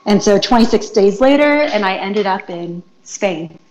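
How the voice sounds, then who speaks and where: A woman's voice: mid-range voice, expressive, measured pace, darkish tone. Woman guest over a phone line, casual chatty storyteller, muffled sound with faint background noise. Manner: casual storytelling with many fillers. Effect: over a phone line, on speakerphone. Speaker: guest chef and wellness consultant. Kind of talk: phone-in radio interview.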